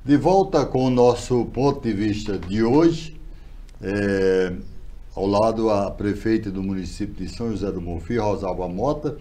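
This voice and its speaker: Mellow-voiced middle-aged male TV host. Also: on the low side, a little slow. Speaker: TV interview host. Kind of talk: TV studio interview. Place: TV studio. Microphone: lapel mic.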